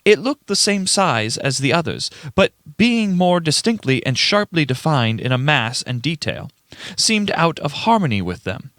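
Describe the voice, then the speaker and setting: A man's voice: fairly high pitch, sing-song, moderate pace, a bit bright, dry recording, studio quality. A man playing an earnest, unnerved young writer giving testimony in a radio play, in formal old-fashioned language with stumbles over words. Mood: uneasy, awed. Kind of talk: dramatic radio play reading.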